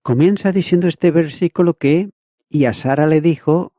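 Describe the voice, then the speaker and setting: A man reading an expository Bible commentary in a measured, methodical way, as if teaching from a prepared text. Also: a little high, dark tone, dry recording. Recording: dull, lo-fi, dry recording.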